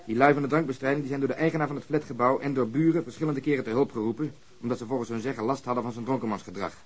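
A man's voice: medium pitch, fairly even intonation, racing, breathy edge, lightly acted. A man acting in a radio drama as a brusque, sardonic police detective with a matter-of-fact delivery. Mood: matter-of-fact, dry. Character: brusque, cynical, sarcastic male police detective.

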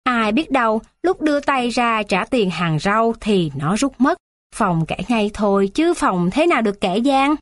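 A woman's voice: a little high, expressive, a little slow, dry recording, clean studio sound. A woman voicing an old grandmother who is remorseful and then hurt and reproachful, pleading with her son.

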